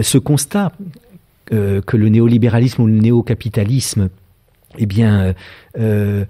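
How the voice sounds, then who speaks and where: A man's voice: mid-range voice, mellow. A French man in his fifties giving a public philosophy lecture, thoughtful and full of hesitant filler sounds. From France.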